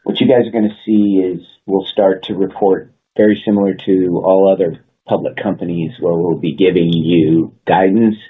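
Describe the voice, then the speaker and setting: Male executive, very low husky register, measured businesslike earnings-call delivery, narrow phone-line audio. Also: fairly even intonation. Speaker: company executive. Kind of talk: prepared earnings call remarks. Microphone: conference call line.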